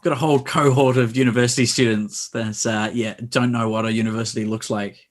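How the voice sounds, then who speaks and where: A man's voice: mid-range voice, level tone, fairly quick. A man from Australia chatting wryly over a video call at a party, rambling and joking. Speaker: party guest. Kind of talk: casual chat on a video call.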